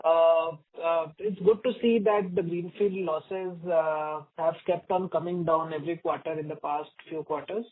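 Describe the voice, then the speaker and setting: A male analyst with a high-pitched voice asks detailed questions. He is heard through a narrow, phone-like line during an earnings call. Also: steady tone, a little slow, hardly any pauses. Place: telephone conference call.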